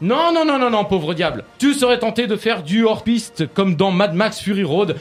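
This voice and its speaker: With lively intonation and a fairly quick pace, a man speaks while music plays in the background. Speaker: radio columnist. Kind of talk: radio entertainment column. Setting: radio show, studio. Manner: fast, sarcastic, joking.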